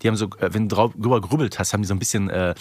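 A man's voice: on the low side, fairly even intonation, rapid-fire, darkish tone, husky, dry recording, studio quality. A man co-hosting a podcast, chatting casually and wryly in colloquial speech about an audio drama. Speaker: podcast co-host.

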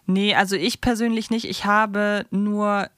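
A woman's voice: mid-range voice, little pitch movement, unhurried, fairly bright tone, no echo, clean studio sound. A woman co-hosting a podcast, chatting casually with a rambling, self-deprecating manner. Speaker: podcast co-host. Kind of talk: casual chat.

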